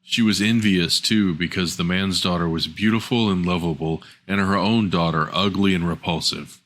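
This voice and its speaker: Low-voiced man narrating fairy tales. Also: steady tone, moderate pace, fairly bright tone. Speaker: storyteller. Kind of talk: scripted fairy-tale narration.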